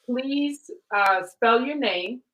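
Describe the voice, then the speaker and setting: A woman's voice: on the high side, drawn-out words, bright, forceful tone, rough recording. A woman co-hosting a radio interview, upbeat and brief in her questions. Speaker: radio show co-host.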